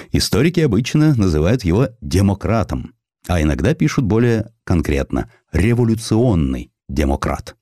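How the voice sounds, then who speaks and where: A man narrating a historical literary essay from a script in an expressive, theatrical manner. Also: deep voice, no echo, studio quality. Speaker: audiobook narrator.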